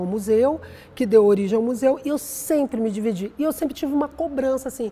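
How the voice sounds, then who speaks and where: This woman has an unremarkable speaking voice, talking at a fairly quick pace with lively intonation. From Rio de Janeiro, Maré favela (Brazil). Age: 50s. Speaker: teacher and community museum worker. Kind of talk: interview. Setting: museum.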